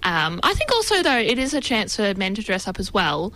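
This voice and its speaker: Aussie co-host woman, bright voice, hesitant chatty radio talk. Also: medium pitch, huge pitch swings, a little fast, a little hiss or hum, low-quality recording. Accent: Australian. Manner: hesitant, lots of fillers. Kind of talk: casual radio chat.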